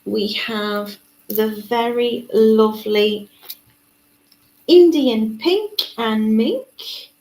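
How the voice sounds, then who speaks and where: A woman's voice: fairly high pitch, very slow, long pauses, a little mellow, rough recording. A woman hosting a live beading tutorial in a chatty way. She reads out viewer comments and uses many fillers. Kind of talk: live-stream tutorial chat.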